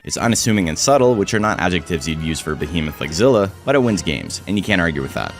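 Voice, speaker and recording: A man narrating a scripted video essay in a blunt, casual way that includes free swearing, his voice hoarse, cracking and frying. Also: deep voice, big pitch swings, fast, over music. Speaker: host of a game strategy channel.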